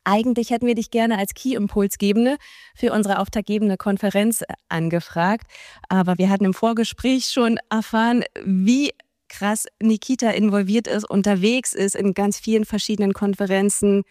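A woman's voice: mid-range voice, steady tone, moderate pace, darkish tone, no echo, studio quality. A woman hosting an interview, introducing her guest formally and asking prepared questions in long, welcoming sentences. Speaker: interviewer, festival host.

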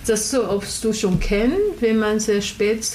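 A woman with a Chinese accent, a native Chinese speaker, talking in an interview in halting speech, pausing to find words and correcting herself. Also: mid-range voice, little pitch movement, a little mellow, slight background noise. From Taiwan. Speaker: interviewee, opera singer. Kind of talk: casual interview chat.

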